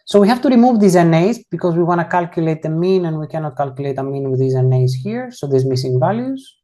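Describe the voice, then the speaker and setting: A soft, mellow-toned instructor leads an online coding tutorial over a computer microphone. The delivery is casual and explanatory, walking through each step while often restarting and correcting sentences. The pitch sits in an ordinary middle range. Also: expressive, fast. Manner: frequently rephrases and corrects itself mid-sentence.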